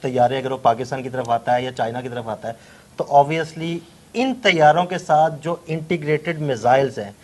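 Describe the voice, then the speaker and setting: A man hosting a news talk show, agreeable and steady as he puts questions and wraps up. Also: medium pitch. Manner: agreeable, keeps affirming the guest. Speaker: show host.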